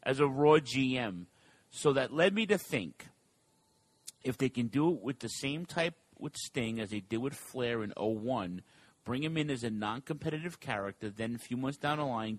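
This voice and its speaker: A man co-hosting a casual talk show, reading listener questions and giving his opinions in an animated, offhand way. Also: medium pitch. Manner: animated, fast asides, reads listener questions. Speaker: podcast co-host.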